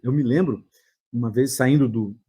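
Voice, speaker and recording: A man's voice: mid-range voice, normal speed, dark tone, breathy edge. A Brazilian man with a Brazilian Portuguese accent, a therapist giving an earnest motivational talk full of anecdotes and repeated "né?" tags.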